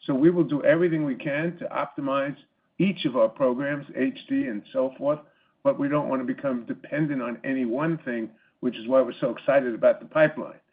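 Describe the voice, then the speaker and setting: A man speaking as a company executive on an earnings call, answering haltingly with repeated words. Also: medium pitch, fairly even intonation. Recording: muffled phone-line conference call audio.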